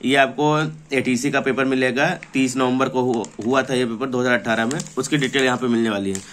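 A man with a mid-pitched voice presents a book in an informal walkthrough. He explains step by step, repeating phrases and listing items as he goes. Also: fairly even intonation, a little fast, a bit bright, slight background noise. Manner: repetitive, explanatory, reading out lists. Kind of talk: informal product walkthrough of an exam prep book.

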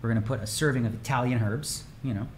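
A man's voice: medium pitch, fast, a little hiss or hum. A man in his forties chatting energetically and rambling while streaming a game from his home room. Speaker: poker streamer. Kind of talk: casual livestream chat.

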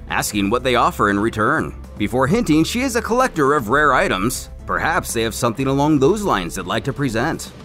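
Man, scripted story narration, expressive intonation, faint background music. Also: mid-range voice. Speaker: narrator recapping a fan manga.

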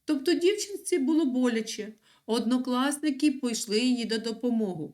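Patient woman teacher with lively intonation. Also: on the high side, moderate pace. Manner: clear, patient, emphatic teacher explaining to children. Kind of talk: recorded online school lesson.

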